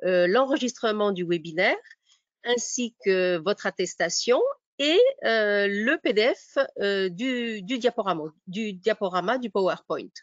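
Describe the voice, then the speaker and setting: A woman moderates an online webinar and walks the audience through instructions. She halts often and fills the pauses. The audio is dry and dull, with no room sound, as from a computer microphone. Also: mid-range voice, animated, no echo. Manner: halting, many fillers. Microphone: computer mic on a video call.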